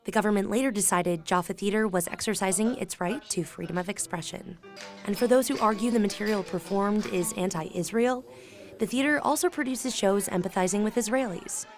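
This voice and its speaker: Woman reporter, voice-over for a news feature, clear music underneath. Measured read. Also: mid-range voice. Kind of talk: scripted news package narration.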